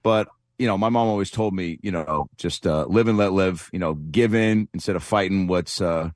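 A man's voice: low voice, normal speed, no echo, studio quality. A man who is a comedian, chatting as a guest and telling rambling, self-deprecating stories full of fillers. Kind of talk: casual anecdotal chat.

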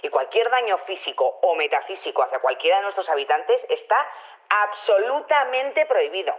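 A woman's voice: mid-range voice, big pitch swings, brisk. An actress playing an opinionated, chatty woman in charge of a community, talking emphatically and repeating herself over a telephone in an audio drama. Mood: indignant. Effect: telephone filter. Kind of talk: improvised-sounding phone interview in audio drama. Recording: thin phone-line sound.

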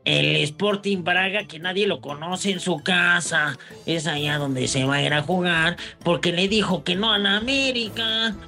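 A man's voice: high-pitched, unhurried, vocal fry, hardly any pauses, bright, forceful tone, faint music behind. A man with a Mexican accent, co-hosting a sports podcast and telling stories in a playful, teasing way. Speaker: podcast co-host. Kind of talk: joking sports chat.

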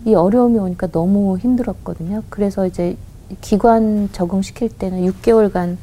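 A woman guest on a radio interview, earnestly recounting a personal story with halting restarts and quoted voices. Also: medium pitch, dark tone, poor audio. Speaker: guest, company head.

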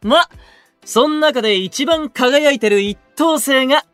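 An actor playing a brash, cocky young male idol in a Japanese voice drama, with blunt, swaggering, rough speech. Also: very high-pitched, slow pace, a bit bright, dry recording, faint music behind, exaggerated voice. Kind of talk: Japanese anime-style voice drama acting.

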